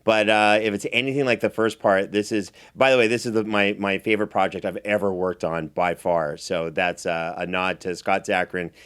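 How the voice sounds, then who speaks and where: A man with a fairly low voice hosts a podcast. He speaks in a casual, conversational way, putting questions to guests and handing out compliments freely. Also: steady tone, moderate pace, few pauses, a bit bright, clear, resonant tone. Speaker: podcast host and producer. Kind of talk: casual podcast hosting and interviewing.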